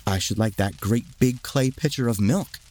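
A man's voice: mid-range voice, normal speed, darkish tone, close to an everyday voice. A man voicing a kind, earnest and humble poor noblewoman in a storybook tale. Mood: polite, sly.

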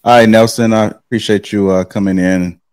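A man with a very deep voice runs the panel and moves it along briskly and informally. His voice sounds dry and close, with no room echo. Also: steady tone, a little mellow, smooth. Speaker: host. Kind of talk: hosting a panel talk show.

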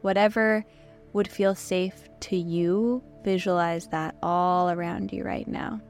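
A woman with a hoarse, worn-down voice, hosting a podcast and gently guiding a yoga nidra meditation with soft, slow instructions and long pauses. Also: lowish voice, fairly even intonation, soft background music. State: hoarse, losing her voice. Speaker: podcast host and meditation guide.

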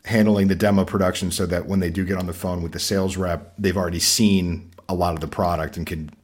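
A man being interviewed as a guest on a podcast, talking casually and bluntly, with frequent laughs. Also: low voice. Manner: energetic and blunt, laughs easily. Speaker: podcast guest, marketing consultancy founder.

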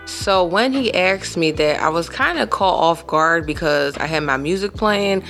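A woman in her thirties hosting a podcast, telling a personal story in a casual, animated way with emphatic asides to her listeners. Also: fairly low pitch, measured pace, faint music behind. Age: 30s. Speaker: podcast host.

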